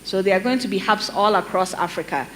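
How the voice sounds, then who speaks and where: A middle-aged woman from Ghana with a Ghanaian accent, explaining a program on a conference panel in a measured way, with many ums and restarts. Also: mid-range voice, fairly bright tone, a little hiss or hum, poor audio. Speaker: panel speaker.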